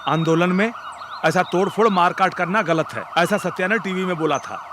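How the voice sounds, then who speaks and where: A man's voice: high voice, moderate pace, noisy background, close to an everyday voice. A man as a nervous, deferential underling. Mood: defensive. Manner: deferential, defensive. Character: nervous male subordinate explaining himself. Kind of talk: Hindi film dub.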